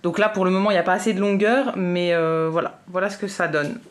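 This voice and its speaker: Vlogueuse au ton hésitant. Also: female voice, fairly low pitch, steady tone, fast talker, a little hiss or hum. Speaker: vlogger. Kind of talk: casual vlog chat.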